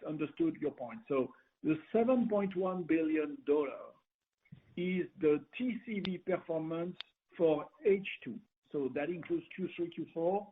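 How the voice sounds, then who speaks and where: A man with a slightly high voice answers as a company executive on an earnings call. He speaks haltingly, repeating and rephrasing as he goes. The sound is narrow and tinny, like a phone conference line. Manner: hesitant, repeats and rephrases words.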